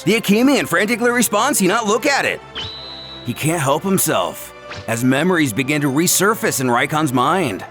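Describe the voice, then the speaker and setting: A man's voice: medium pitch, fairly bright tone. A man narrating a scripted story in a dramatic, theatrical and emphatic way, like a host telling an epic tale. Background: background music.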